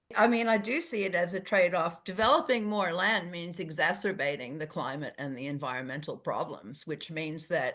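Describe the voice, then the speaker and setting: This woman speaks with an Australian accent at a fairly low pitch, her intonation lively and her pace fairly quick. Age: 60s. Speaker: audience member. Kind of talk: public question and comment. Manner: animated.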